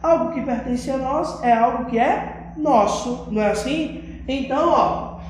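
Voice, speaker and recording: A woman's voice: high voice, measured pace, a little hiss or hum. A woman teacher with a Brazilian accent giving a video lesson to children, patient and checking they follow along. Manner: patient, keeps checking understanding with tag questions. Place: classroom with a whiteboard. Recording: very echoey room.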